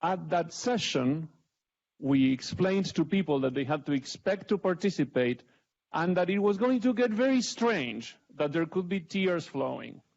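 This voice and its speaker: Gravelly man with an Argentine accent. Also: a little high, expressive, a little slow, darkish tone. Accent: Argentine Spanish. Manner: self-deprecating, conversational. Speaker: panel speaker. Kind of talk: public talk with slides. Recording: dull lo-fi event recording.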